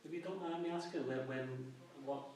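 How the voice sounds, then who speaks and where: A man's voice: a little high, moderate pace, darkish tone. Agreeable man asking questions, echoey room. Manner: agreeable, echoes back answers, lots of yeahs. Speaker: interviewer. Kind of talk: casual chat. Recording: very echoey room, far from mic.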